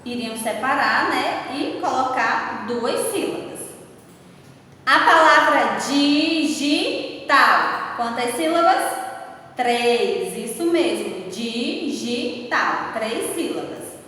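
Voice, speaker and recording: Brazilian Portuguese woman teacher, patient and unhurried, recorded at a distance with a long reverb and faint hiss. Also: fairly high pitch, lively intonation, sharp tone. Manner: patient, checking in with "né?" and "certo?". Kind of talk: slow spoken class lesson. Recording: echoey room, far from the mic, faint noise.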